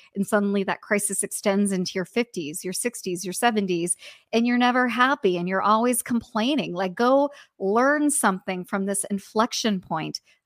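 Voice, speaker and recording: A woman with an unremarkable speaking voice talks at a fairly quick pace in a medium pitch with ordinary pitch variation. The sound is dry and close, with no echo. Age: 40s. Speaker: author and HR speaker. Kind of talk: casual chat. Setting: live video stream.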